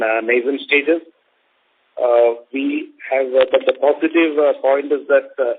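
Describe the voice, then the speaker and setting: Halting Indian man on a phone line. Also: mid-range voice. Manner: halting, measured, formal. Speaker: company executive answering analysts. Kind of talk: earnings call answers. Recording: narrow phone line with faint noise.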